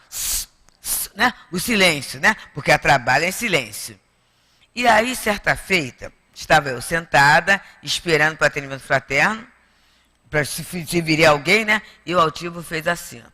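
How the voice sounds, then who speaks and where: A woman's voice: sits low, lively intonation, normal speed, bright, forceful tone, in a large hall. A woman with a Brazilian Portuguese accent giving a spiritist lecture to an audience in a chatty way, with many tag questions. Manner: conversational, with frequent tag questions. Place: spiritist center lecture hall.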